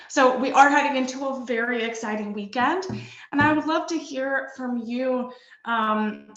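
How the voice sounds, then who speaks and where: A woman with a somewhat high voice asks a polite, prepared question as a reporter. The call audio is roomy and echoing, with a dull, lo-fi tone. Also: fairly bright tone.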